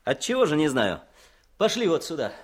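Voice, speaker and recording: A man's voice: on the high side, huge pitch swings, normal speed, slight background noise. A man playing a friendly, teasing young ex-soldier turned official in a radio drama.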